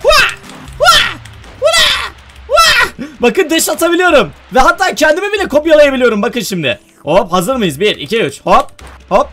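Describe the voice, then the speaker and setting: A man hosting a gaming video, giving excited let's-play commentary, chatting with viewers and often breaking into shouted exclamations. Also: very high-pitched, brisk, soft background music.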